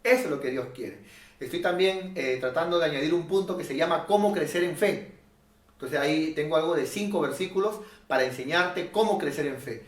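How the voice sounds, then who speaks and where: A male pastor preaching a sermon in an animated, rhetorical way, often asking his listeners "¿no es cierto?". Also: a little high, a little fast, far from the mic. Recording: echoey room, voice off-mic.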